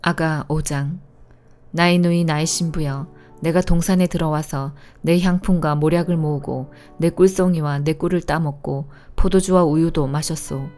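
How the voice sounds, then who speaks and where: Calm woman reading scripture over music. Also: low-pitched. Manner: steady, calm, measured reading. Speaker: Bible reader. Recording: soft instrumental music behind.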